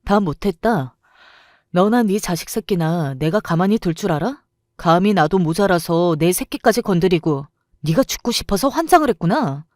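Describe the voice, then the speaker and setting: A furious mother, voiced by a woman hits back at her former bully with cold, cutting words. Her voice is lowish and close, with a dry sound in an audio storybook. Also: expressive, normal speed, a little mellow, dry recording, lightly acted. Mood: cold fury. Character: furious mother taking revenge on old bully.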